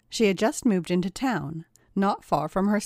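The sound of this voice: Ordinary pitch variation shapes an unforced reading voice.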